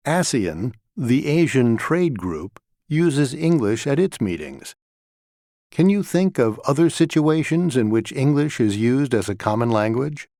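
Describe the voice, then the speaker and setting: A man acting as a lecturer, giving a scripted class talk in a clear, measured way, recorded in a studio. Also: medium pitch, mellow, dry recording. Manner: measured, clear explanatory delivery. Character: male lecturer talking to a class.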